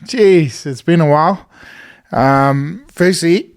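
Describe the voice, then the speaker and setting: Guy, hoarse voice, kinda high, chatting solo on his podcast in a studio. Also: takes it slowly. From South Africa. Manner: earnest and enthusiastic, many fillers. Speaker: podcast host. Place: small studio.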